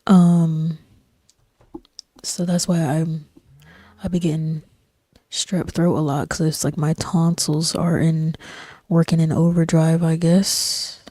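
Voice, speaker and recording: A young woman streamer chatting casually while she plays, in a soft-spoken, breathy, near-whispered voice that rambles with lots of fillers. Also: deep voice, takes it slowly, long pauses, no room sound. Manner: rambling, relaxed, frequent fillers and slang. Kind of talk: casual chat while gaming. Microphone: desk microphone.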